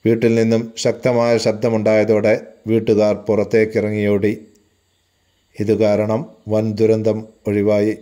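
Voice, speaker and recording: Male news narrator, formal scripted read, monotone, dark timbre. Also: fairly low pitch. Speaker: news reporter.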